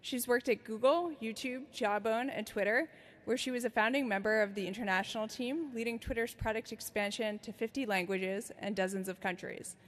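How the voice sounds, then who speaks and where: Woman, session chair, formal introduction, reads steadily, higher voice, reverberant hall. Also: fairly quick. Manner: reads a prepared bio steadily. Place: large conference hall. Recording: echoey large hall.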